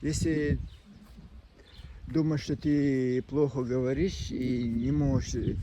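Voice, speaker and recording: A man talking to his phone camera outdoors at a seaside resort, in a language that is not his first. His speech is halting, full of restarts and side tracks, and his pitch sits in an ordinary middle range. Clear noise from the shore runs under his voice. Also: fairly even intonation, lo-fi sound. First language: not Russian. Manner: halting, many restarts and digressions. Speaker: vlogger. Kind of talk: rambling outdoor vlog monologue. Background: noise of the sea shore.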